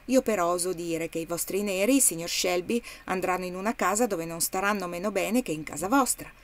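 A woman's voice: lowish voice, brisk, lightly acted. Audiobook: woman voicing a curt, uneasy male landowner in debt. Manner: curt, disgusted. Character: indebted, uneasy male plantation owner.

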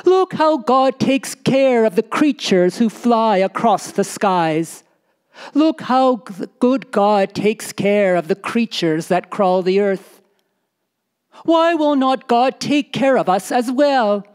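Woman doing proud poor nomad husband, emphatic, declaiming, raised high voice, slow. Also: lively intonation, darkish tone, clean tone. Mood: lecturing.

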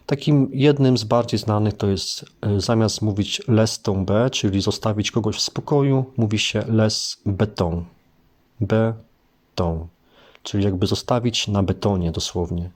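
A man's voice: lowish voice, normal speed, few pauses, a little mellow. A man teaching French vocabulary in a casual spoken lesson, explaining things unhurriedly with hesitant fillers.

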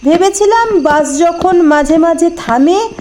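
A woman reading a scripted first-person horror story as narrator, with dramatic, deliberate phrasing and short pauses. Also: very high voice, dark tone, slight background noise.

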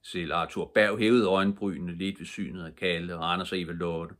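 An older man reading a children's book aloud as a bedtime story, in a calm, even storytelling manner. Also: sits low. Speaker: storybook reader.

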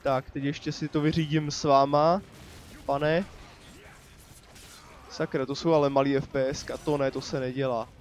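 A man's voice: mid-range voice, flat delivery, pauses often. A man casually commenting on his own gameplay, chatty and joking, talking to the enemies on screen. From Czechia. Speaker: let's play commentator. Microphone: desk microphone.

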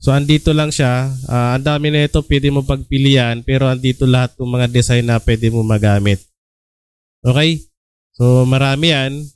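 Filipino male tutorial host, young, relaxed and filler-heavy, clean dry close-mic sound. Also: medium pitch, moderate pace, smooth, no echo. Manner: relaxed, many filler "ah" and "okay?" check-ins. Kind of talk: casual screen-recorded tutorial.

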